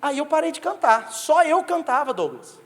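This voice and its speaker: Brazilian man, pastor preaching, high voice, playful animated sermon, long church-hall reverb. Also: moderate pace, a faint crowd. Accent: Brazilian Portuguese. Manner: humorous, animated storytelling that jokes with the congregation. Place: church sanctuary.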